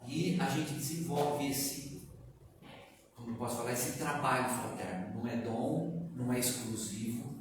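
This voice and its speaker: Man, Brazilian Portuguese accent, spiritist lecture, animated, questions the crowd, distant mic, very echoey hall. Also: medium pitch, a little slow. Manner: animated, asks the audience questions, chuckles often. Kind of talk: lively lecture to a live audience. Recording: echoey room, far from the mic, background noise.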